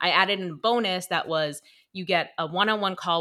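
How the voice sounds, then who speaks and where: This woman talks at a fairly quick pace in a fairly low voice, with ordinary pitch variation. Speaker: toy coach and online course creator. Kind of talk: casual interview chat. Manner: confident, businesslike, sounds like Shark Tank pitch.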